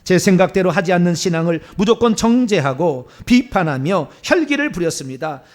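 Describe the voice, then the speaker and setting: A middle-aged male pastor who preaches and leads a repentance prayer with fervent, declamatory force. His voice sits high for a man. It swings widely in pitch as he pushes each confession and vow. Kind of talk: sermon and led repentance prayer.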